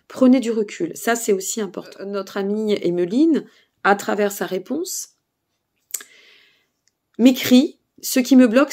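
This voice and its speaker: A woman's voice: medium pitch, mellow. Tired woman w/ burgundian accent, talks to camera giving guidance, lots of euhs, keeps asking ok?. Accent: Burgundian French. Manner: hesitant, many fillers, checks in with listeners. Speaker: spiritual guidance consultant. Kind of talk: casual talk to camera giving advice. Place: seated indoors.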